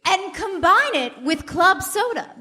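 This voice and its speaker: A woman playing a gushing product pitchwoman in an overblown parody radio commercial. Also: sing-song, takes it slowly, sharp tone, heavily acted.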